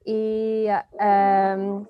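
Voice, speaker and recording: Slow, halting English-accented woman learning a language. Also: mid-range voice, monotone, clean tone, phone-quality sound. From England. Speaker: language student. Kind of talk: hesitant self-introduction in a foreign language.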